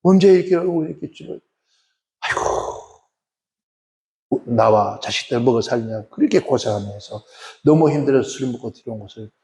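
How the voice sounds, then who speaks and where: A man voicing a tearful middle-aged wife who prays quietly over her sleeping husband. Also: medium pitch, animated, brisk, creaky, pauses often, reverberant, voice pushed down. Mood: tender remorse.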